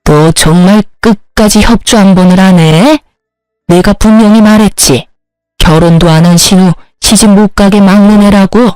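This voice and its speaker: A defensive husband, acted out by a woman argues in a slow, slightly lowered voice. He leans in hard and insistently. The recording is close and dry. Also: a little mellow, smooth, dry recording, natural voice, poor audio. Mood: angry. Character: defensive husband, pleading then angry.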